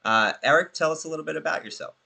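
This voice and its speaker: A man's voice: fairly high pitch, rapid-fire, gravelly, bright, forceful tone. A man co-hosting a video-call chat show, enthusiastic, with frequent "uh" and "um". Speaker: co-host. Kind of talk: casual panel chat.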